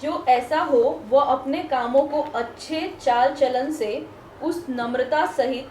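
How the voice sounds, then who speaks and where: A woman's voice: high-pitched, slow pace, a little mellow. A woman reading Bible verses aloud steadily during a sermon and answering the preacher. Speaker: scripture reader. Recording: echoey room with faint background noise.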